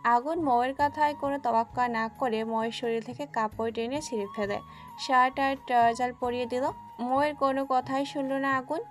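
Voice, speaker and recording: A woman narrates a dramatic story steadily, with a fairly high voice. Soft music plays quietly behind her. The reading sounds scripted and even. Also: brisk.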